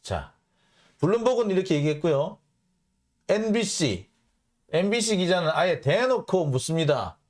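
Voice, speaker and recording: A man hosting a political commentary show, reading out foreign news and mocking it in an animated way. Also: high voice, normal speed, long pauses. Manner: animated, mocking, acts out blunt quotes. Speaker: host of a political commentary channel.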